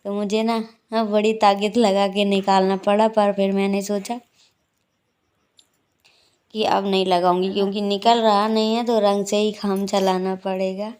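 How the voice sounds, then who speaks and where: A woman's voice: mid-range voice, flat delivery, unhurried, darkish tone, clear, resonant tone. A young woman vlogging at home at night, chatting and laughing as she tells what the kids are doing. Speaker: family vlogger. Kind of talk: casual vlog narration. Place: dark room at home at night. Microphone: phone on a tripod.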